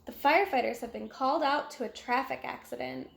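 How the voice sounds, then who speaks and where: A woman reading a children's picture book aloud in an expressive, animated way, with exclamations. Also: high-pitched, brisk, gravelly. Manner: animated, exclamatory, acts out sound effects. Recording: echoey room.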